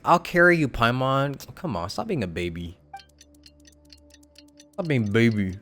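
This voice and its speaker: A man's voice: medium pitch, very animated, unhurried, a bit bright. A man chatting casually on a livestream as he plays a video game. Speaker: game streamer. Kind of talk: casual livestream chat while playing. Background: game music.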